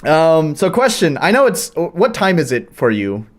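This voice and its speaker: A man's voice: fairly high pitch, big pitch swings, normal speed. A man with an American accent, chatting casually as the host and interviewer on a livestream. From United States.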